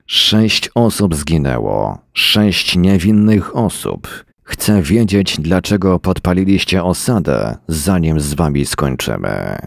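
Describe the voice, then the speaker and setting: A man's voice: low-pitched, animated, takes it slowly, vocal fry, few pauses, dry recording, clean studio sound, heavily acted. A man reading the lines of an angry, bitter English settler in a story, harsh and commanding.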